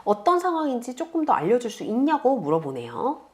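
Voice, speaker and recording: A woman teaching beginners step by step in a calm, patient screen tutorial, speaking close to the mic. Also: on the high side. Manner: patient, explains slowly to beginners. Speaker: online tutor.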